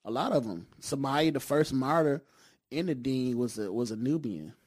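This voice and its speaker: A middle-pitched man from Detroit with an African American accent, in casual conversation. He talks emphatically, repeats phrases for weight and keeps checking that he is being followed. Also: expressive, normal speed, darkish tone. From Detroit, United States. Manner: emphatic and repetitive, with frequent checking tags.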